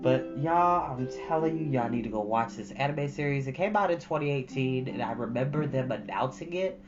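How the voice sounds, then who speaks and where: A male host chats informally with his viewers in a folksy, emphatic manner, repeating phrases to drive his point home. His voice sits at a medium pitch. The audio is a little dull and lo-fi, with plucked guitar music clearly playing behind him. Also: brisk. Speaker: storytime stream host. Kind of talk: casual chat to live viewers.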